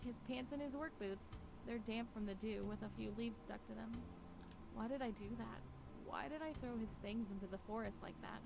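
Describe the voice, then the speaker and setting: A woman playing a lonely, regretful wife in a visual novel, wistful and brooding, with deliberate phrasing. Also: on the high side. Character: Violet, lonely regretful wife wandering a forest. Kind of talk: scripted visual novel monologue. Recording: clearly noisy, with ambience behind.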